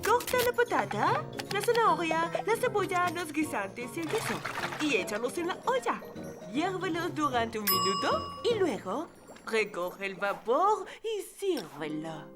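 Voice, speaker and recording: A woman's voice: high-pitched, sing-song, unhurried. A woman voicing a proud, precise magical cookbook in a children's cartoon, reciting in a declamatory way in Latin American Spanish. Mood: proud, instructive. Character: not human, a book. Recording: music and chimes behind.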